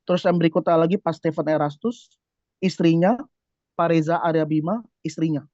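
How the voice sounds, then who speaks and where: Man, church testimony, preaching, animated storytelling, rhetorical questions, muffled lo-fi sound, dry. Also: a little high, normal speed, dry recording. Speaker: church office worker giving a testimony. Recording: dull, dry lo-fi recording.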